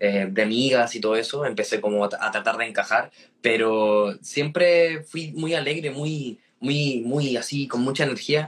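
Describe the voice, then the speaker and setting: A man speaks at a fairly slow pace, his medium-pitched voice carrying lively intonation. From Chile, raised from age seven, born in Puerto Rico. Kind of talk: interview. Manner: hesitant, repeats words.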